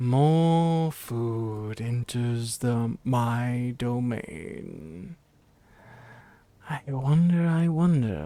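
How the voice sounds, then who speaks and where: Growling in a put-on character voice, a man speaks at a very slow pace with a medium pitch. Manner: menacing, hungry.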